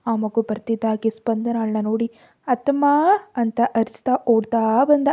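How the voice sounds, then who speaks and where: A woman reads a serial story aloud at a brisk, plain pace. Her voice sits fairly high, and the recording is dull and lo-fi. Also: fairly even intonation.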